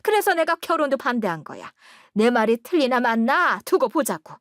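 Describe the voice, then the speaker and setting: A woman voicing a spiteful older mother-in-law who scolds loudly and accuses. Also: big pitch swings, moderate pace, no room sound, clean studio sound. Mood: bitter scolding. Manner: shrill, accusing, loud scolding.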